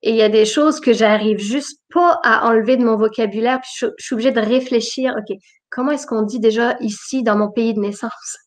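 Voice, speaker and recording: A woman's voice: a little high, fairly quick. A woman with an accent mixing French and Quebec, hosting a casual conversational interview. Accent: mixed French and Quebec. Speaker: host of an online video interview show. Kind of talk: casual chat.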